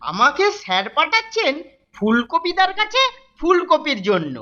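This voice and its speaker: A woman's voice: high-pitched, big pitch swings, moderate pace, sharp tone, lo-fi sound, full character voice. A woman voicing an eager, obedient young schoolboy in a comic cartoon. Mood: concerned, chatty. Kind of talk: exaggerated cartoon acting.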